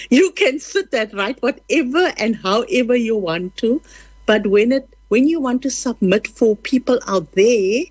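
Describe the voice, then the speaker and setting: A woman with a South African Afrikaans accent, Afrikaans being her first language, speaks earnestly as a writer in a casual interview, full of fillers and restarts. Her voice is fairly high, animated yet unhurried, slightly mellow with a breathy edge, and there's no room sound.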